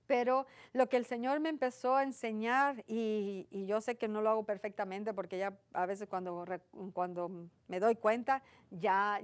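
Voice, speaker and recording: A woman's voice: medium pitch, clear, resonant tone. A woman giving a conversational Christian sermon, earnest, piling up repeated lists and tag questions. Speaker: Christian teacher.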